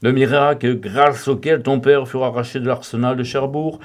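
A man reading an audiobook and voicing a commanding, mocking gentleman thief who taunts and threatens. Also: mid-range voice, steady tone, moderate pace, close to an everyday voice. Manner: taunting, imperious, calls the youth baby.

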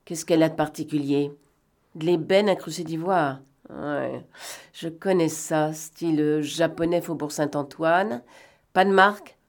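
A woman reading aloud and voicing a cunning male gentleman thief who talks in a mocking, bantering way and snaps out brisk orders. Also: deep voice. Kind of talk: audiobook reading.

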